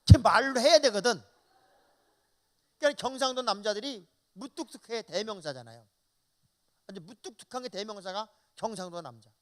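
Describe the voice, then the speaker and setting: A man in his fifties preaches a revival sermon in a church. His voice sits high and swings widely in pitch as he tells folksy stories. He acts out little bits of dialogue as he goes. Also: lively intonation, moderate pace, long pauses. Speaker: pastor.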